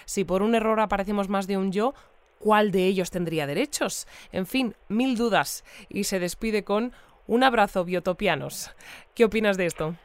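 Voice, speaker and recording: An actress playing a courteous, measured female radio interviewer who reads out listeners' messages in a conversational audio drama. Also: medium pitch, clear, resonant tone, lightly acted. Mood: polite, attentive. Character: polite female radio interviewer in a futuristic community.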